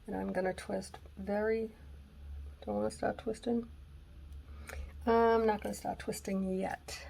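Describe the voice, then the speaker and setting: A woman with a raspy voice hosting a casual craft tutorial at home, thinking aloud and sometimes dropping to a whisper as she works. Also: mid-range voice, little pitch movement, a little slow, mellow, slight background noise. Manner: chatty, thinking aloud while working, drops to whispers. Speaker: craft channel host. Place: home craft room on a gray day. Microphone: camera mic, moves close and away while working.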